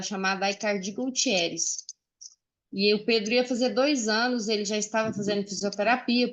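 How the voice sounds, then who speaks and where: Mineira woman in her 40s on a video call, earnest, lots of little pauses, mid pitch. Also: a bit bright. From Uberlândia, Minas Gerais, Brazil. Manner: earnest, pausing often with "é" and "né". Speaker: guest speaker. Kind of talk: personal testimony in a friendly chat.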